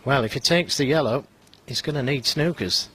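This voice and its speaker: Measured male snooker co-commentator. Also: mid-range voice, a bit bright, husky. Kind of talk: sparse, conversational snooker commentary.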